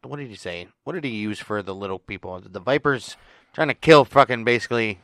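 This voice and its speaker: A man's voice: on the low side, lively intonation, a little fast, fairly bright tone, no echo. A man co-hosting a casual recap chat, talking loosely and profanely as he retells scenes. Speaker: podcast co-host.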